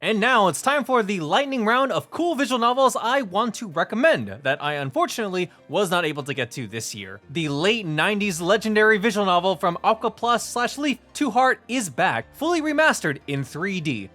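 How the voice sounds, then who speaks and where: Male host, scripted review narration, bright lively tone, high pitch, soft background music. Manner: enthusiastic, expressive delivery with big pitch swings. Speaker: video host reviewing visual novels. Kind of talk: scripted video essay narration.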